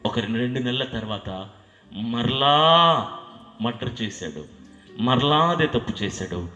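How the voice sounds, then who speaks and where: A man's voice: mid-range voice, a bit bright. A male evangelist telling a dramatic sermon story with rhetorical questions. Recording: echoey hall with long reverb and faint music.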